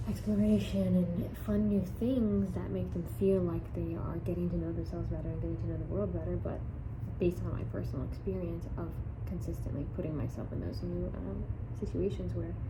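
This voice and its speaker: Over noticeable background noise, a woman with a very deep, low voice talks at a fairly quick pace, her pitch swinging very widely. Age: 20s. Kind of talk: unscripted personal reflection to camera.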